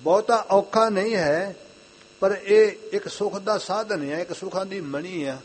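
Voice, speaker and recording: A young Sikh preacher with a high, breathy voice delivers an earnest sermon. He repeats his phrases and recites lines of scripture slowly, in a chanting way.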